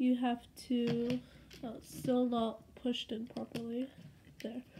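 A woman's high-pitched voice at a very slow pace, fairly even in intonation, over light background noise. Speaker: LEGO builder. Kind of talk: casual tutorial talk to camera. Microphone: phone near.

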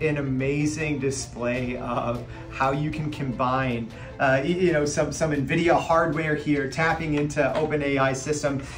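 With faint background music, the man talks fairly slowly. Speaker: event host interviewer. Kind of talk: commentary. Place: hall. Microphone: phone near.

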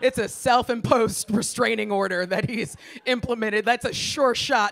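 Animated in tone, a woman with an American accent speaks at a fairly quick pace. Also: quiet background. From Los Angeles, US. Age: 40s. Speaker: stand-up comedian. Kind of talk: stand-up comedy. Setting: stage with audience. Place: stage. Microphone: handheld.

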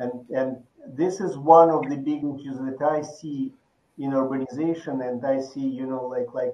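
Speaking with a Russian accent, a man talks at a fairly slow pace. There is audible room echo. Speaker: professor. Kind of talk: panel discussion. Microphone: video call.

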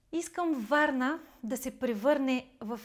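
In a quiet background, a woman speaks at a high pitch with ordinary pitch variation. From Bulgaria. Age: 40s. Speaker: opera singer and political candidate; candidate. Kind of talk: campaign statement. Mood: warm, earnest, hopeful. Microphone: lapel.

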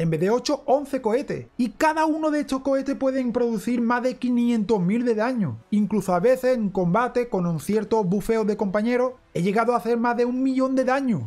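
An extremely high-pitched man talks at a moderate pace with hardly any pauses. His loudness stays very even, and his pitch variation is ordinary. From Spain. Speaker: gaming YouTuber. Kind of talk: game build tutorial. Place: home room.

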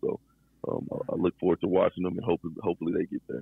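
A man with an American accent talks at a very fast pace. The sound is dry, with no echo. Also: quiet background. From Illinois (Belleville); Illinois. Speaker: former college basketball player; podcast guest. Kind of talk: casual chat. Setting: phone call. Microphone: earbuds.

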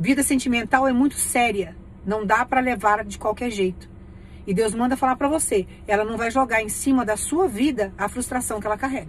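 A woman's high voice at a fairly quick pace, with ordinary pitch variation over light background noise. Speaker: religious preacher. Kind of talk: sermon-style prophetic message. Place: car. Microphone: phone near.

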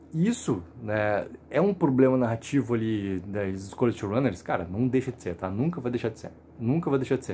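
A man with a medium-pitched, dark and mellow voice sounds somewhat breathy, with lively intonation at a moderate pace. Light background noise is audible. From Brazil. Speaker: YouTube TV-series commentator; TV series commentator. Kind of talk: casual video commentary. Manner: animated. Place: home room.

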